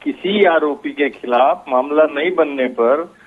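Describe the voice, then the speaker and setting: A senior journalist man joining a TV debate by phone, explaining a legal term in a measured way. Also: on the high side. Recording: tinny phone line.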